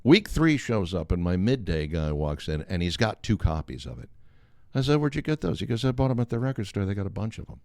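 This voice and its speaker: A man's voice: deep voice, a little fast, dry recording, clean studio sound. An older man telling a humorous anecdote in a casual, wry way, acting out the dialogue as he goes. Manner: animated, acts out quoted dialogue. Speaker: storyteller on a talk show.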